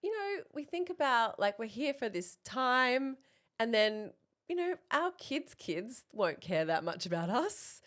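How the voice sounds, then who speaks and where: A woman's voice: a little high, big pitch swings, measured pace, a bit bright. A woman in her thirties co-hosting a podcast, talking in an earnest, reflective way with frequent fillers. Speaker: podcast co-host. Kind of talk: casual chat.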